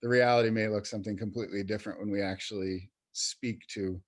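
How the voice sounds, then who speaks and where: A man's voice: fairly low pitch, fairly even intonation, fast talker. A man speaking as a guest in a podcast interview, talking in a casual, hesitant way with many fillers and restarts. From New York State, USA. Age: adult in recovery, peer professional. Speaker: youth recovery program coordinator, guest.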